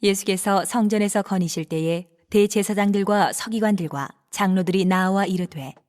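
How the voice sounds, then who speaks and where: Woman reading bible narration, medium voice, formal n measured, scripted. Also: medium pitch, darkish tone. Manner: measured, formal read delivery.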